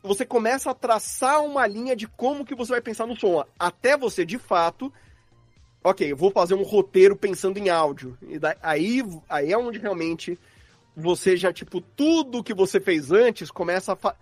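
A man's voice: high voice, normal speed, no echo, faint music behind. A man with a Brazilian accent talking casually as a guest sound designer, explaining his craft and acting out his thought process. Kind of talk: casual interview chat about craft.

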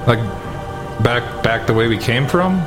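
A man playing a tabletop game, improvising casual role-play in a deadpan manner. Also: mid-range voice, unhurried, music in the background.

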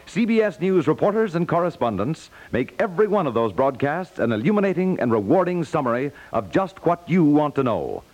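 A man's voice: fairly high pitch, a little mellow, low-quality recording. A man reading scripted announcements as a 1950s radio announcer.

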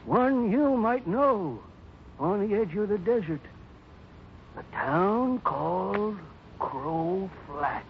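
Casting: ominous, brooding cowboy, high-set voice, very slow deliberate delivery, old dull radio sound. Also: male voice, animated, heavily acted. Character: brooding, menacing cowhand hinting at a grudge. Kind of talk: 1950s radio drama acting. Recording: dull, faintly noisy 1950s radio recording.

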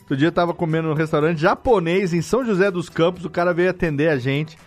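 A man hosting a casual live podcast, excitable and joking, often cutting in and repeating himself. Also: a little high, quick pace. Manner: excitable, interrupts, jokes, repeats words. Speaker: podcast host.

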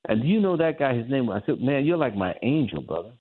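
A man, a guest on a radio talk show, telling a story with lively acted-out voices. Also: mid-range voice, fast talker, slightly rough. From New York. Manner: animated storyteller acting out voices of others. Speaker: guest author. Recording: tinny phone line.

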